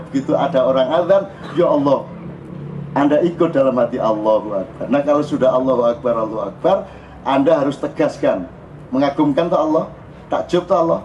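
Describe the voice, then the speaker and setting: Joking East Javanese man preaching. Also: on the high side. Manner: animated and joking, slipping into Javanese. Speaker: religious speaker. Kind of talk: casual spiritual talk to a gathering. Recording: dull lo-fi live recording with faint noise.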